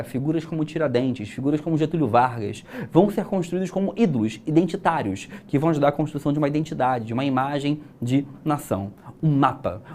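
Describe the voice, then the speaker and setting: A man's voice: on the high side, dark tone. A young Brazilian man teaching an exam-prep class, chatty and explanatory, asking rhetorical questions. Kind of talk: recorded exam-prep lesson.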